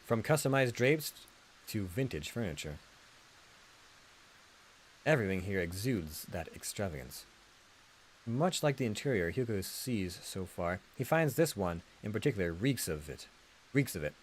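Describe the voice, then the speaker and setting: A man reading a visual novel aloud as an expressive narrator. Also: fairly low pitch, moderate pace, pauses often, a little hiss or hum, poor audio. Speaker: host of a read-aloud channel. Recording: music behind the voice.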